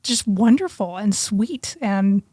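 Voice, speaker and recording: Female podcast co-host, medium pitch, informal storytelling, close and dry recording. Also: animated, slow, dark tone, breathy edge, no echo. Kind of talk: casual chat, personal storytelling.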